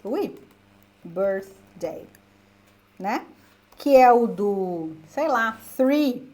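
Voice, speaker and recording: A young woman with a Brazilian accent runs an English pronunciation class. Her voice sits high and she talks in an emphatic, animated way. She repeats each word over and over so learners can follow along. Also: very slow. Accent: Brazilian Portuguese. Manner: lively, emphatic, repeats words for drilling. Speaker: English teacher. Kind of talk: online English pronunciation lesson.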